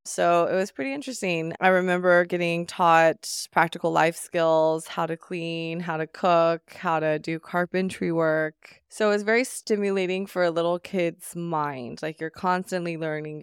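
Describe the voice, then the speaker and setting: A woman in her thirties, an interviewee reflecting on her past in a calm, measured, storytelling way. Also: sits low, creaky, clean tone, no echo, studio quality. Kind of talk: casual interview.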